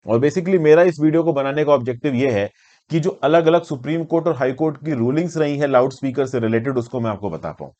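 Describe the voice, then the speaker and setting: A man's voice: medium pitch, fast talker, dark tone, lo-fi sound. A man with an Indian accent giving an explanatory current affairs lecture, conversational and teacherly, mixing in English terms and posing questions as he goes. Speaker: educator and presenter of current affairs lessons. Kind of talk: explanatory lecture for exam students.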